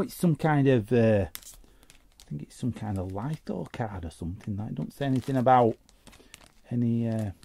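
A man's voice: fairly high pitch, creaky, mellow. A man giving casual, chatty unboxing commentary as host, muttering and repeating short phrases to himself. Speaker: host of a trading card opening show.

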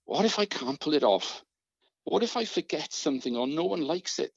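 Man playing an anxious British organiser, animated. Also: on the high side, moderate pace, vocal fry, slightly rough, no echo, heavily acted. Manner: hesitant, worried, polite. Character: anxious, earnest male events project worker. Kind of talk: radio drama. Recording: dry, slightly muffled.

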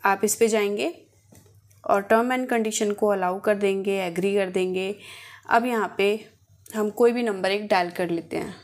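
A woman who hosts phone tutorial videos talks viewers through each step directly, in a casual, instructional narration. Her voice is medium-pitched with fairly even intonation and a measured pace.

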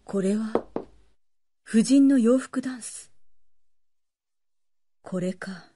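An actress playing a cool, solemn, commanding warrior maiden in a fantasy radio drama, with a grave, measured delivery. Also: female voice, on the high side, noisy background. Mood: cool, contemplative.

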